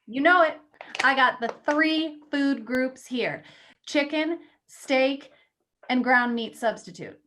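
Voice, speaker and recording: A woman's voice: high voice, lively intonation, slow, bright, forceful tone, full character voice. A woman acting in a play reading as a blunt, wry magazine editor who is a loyal, teasing friend.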